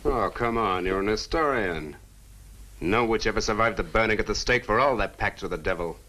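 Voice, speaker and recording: Animated, skeptical scientist in old film. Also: male voice, lowish voice, slight background noise. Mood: scornful, argumentative. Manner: brisk, skeptical, emphatic. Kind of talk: 1960 horror film acting.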